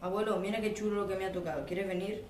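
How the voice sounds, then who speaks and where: A teenage boy with a Spain Spanish accent reads a scripted story at a quick pace. He is in a roomy classroom, away from the mic, with clear noise behind him. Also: high voice, steady tone, distant mic. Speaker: student reading radio play. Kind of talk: scripted narration and dialogue, read aloud. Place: school classroom.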